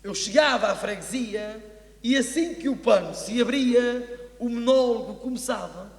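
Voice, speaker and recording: High-pitched man declaiming in an echoey hall. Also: measured pace. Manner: theatrical, declamatory verse delivery. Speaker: carnival monologue performer. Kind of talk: rhymed comic stage monologue, declaimed. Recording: echoey hall with long reverb.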